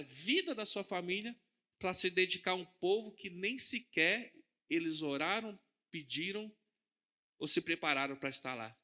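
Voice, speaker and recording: A man with a Brazilian Portuguese accent preaching a sermon in a church. He talks in a conversational way, asks the congregation questions and swings between soft and loud. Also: high-pitched. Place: church hall.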